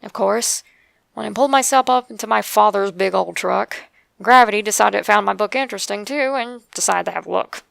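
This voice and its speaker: Very creaky-voiced Appalachian woman telling scary stories. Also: mid-range voice, brisk, fairly bright tone, dry recording. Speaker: narrator of true scary stories. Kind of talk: first-person scary story narration.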